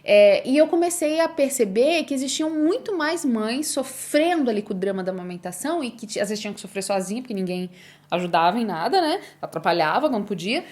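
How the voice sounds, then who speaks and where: A woman's voice: fairly high pitch, expressive, brisk, a little mellow. A young woman with a Brazilian accent, talking in a casual personal vlog, chatty and emotional, speaking straight to her viewers. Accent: Brazilian Portuguese. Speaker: vlogger.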